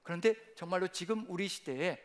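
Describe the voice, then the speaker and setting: A man's voice: sits high, fairly quick. A male pastor preaching a sermon, asking many rhetorical questions and leading the congregation in reading aloud. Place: church sanctuary.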